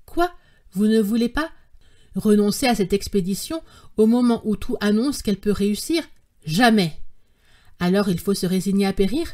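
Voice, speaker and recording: A woman voicing a stubborn, fiery old male professor in an audiobook, talking forcefully and insistently. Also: medium pitch, animated, normal speed, natural voice. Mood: stern, insistent. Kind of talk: audiobook character reading.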